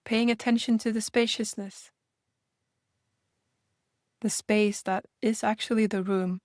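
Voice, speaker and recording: A woman leading a guided meditation in a gentle manner, speaking in unhurried invitations with long pauses. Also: medium pitch, steady tone, no room sound, clean studio sound.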